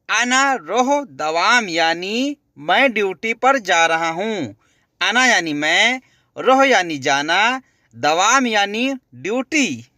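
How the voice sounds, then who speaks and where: A man's voice: sits high, pushed and bright, no room sound, clean studio sound. A man teaching spoken Arabic phrases, repeating each one and explaining it word by word. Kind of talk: slow spoken-phrase lesson.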